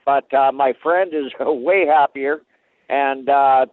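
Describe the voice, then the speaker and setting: A man's voice: mid-range voice, steady tone, slow, dry recording. A man from Alberta calling into a radio talk show on an old flip phone, telling his story in a plain, hesitant way with lots of uh's. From Alberta, Canada. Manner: plain-spoken, hesitant with frequent uh fillers. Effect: old flip phone call. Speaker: caller. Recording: tinny dry phone line.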